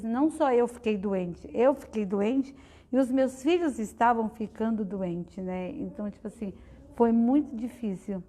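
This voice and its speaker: A woman's voice: mid-range voice, mellow. A middle-aged woman giving a heartfelt personal testimony to an audience, talking conversationally with frequent fillers. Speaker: guest speaker at a spiritist study center.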